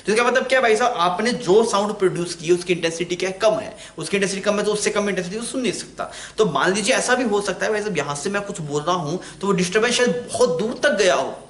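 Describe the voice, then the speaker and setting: A man's voice: sits high, animated, fast talker, hardly any pauses, a bit bright. A man teaching physics in an online lecture, chatty, asking the class questions and answering them himself. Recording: echoey room.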